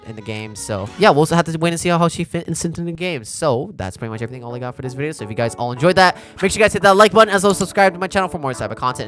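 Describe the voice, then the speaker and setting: A man's voice: mid-range voice, a bit bright. A man giving casual live reaction commentary as a streamer, talking informally to his chat. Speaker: streamer reacting to a game character preview.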